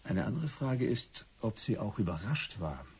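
An actor playing an inquisitive, wry writer turned amateur detective, musing and ironic, in a German radio crime drama. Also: male voice, fairly low pitch, big pitch swings, moderate pace, darkish tone, slight background noise. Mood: wry, speculative.

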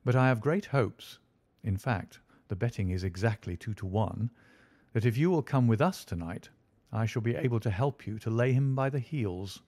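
A man reading aloud and voicing a calm, clever detective who speaks in a measured, confident way. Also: medium pitch, no echo. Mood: deliberate. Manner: measured, deliberate, composed.

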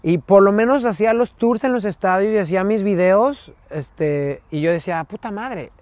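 A man speaks as a podcast guest, his pitch a little high for a man. He tells his stories in an animated way and slips into imitated English phrases. His delivery stays chatty and conversational. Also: moderate pace, no room sound. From Mexico. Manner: animated storyteller who mimics English phrases. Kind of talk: casual interview storytelling.

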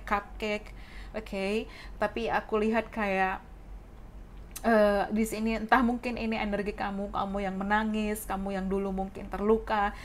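A young woman with a hoarse voice giving a casual tarot reading, chatty and often saying "oke". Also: mid-range voice, a little hiss or hum. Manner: chatty, mixes English phrases, says "oke" often. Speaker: tarot reader. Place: indoors at a wooden table.

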